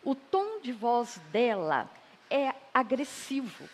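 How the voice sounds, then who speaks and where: A woman with a Brazilian Portuguese accent speaks in a reflective, affirming way during a conversational spiritist talk. Her voice sits somewhat high, and a long hall reverb trails behind her words. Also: sing-song, slow pace, slight background noise. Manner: reflective, affirming, retells edifying stories. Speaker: spiritist lecturer.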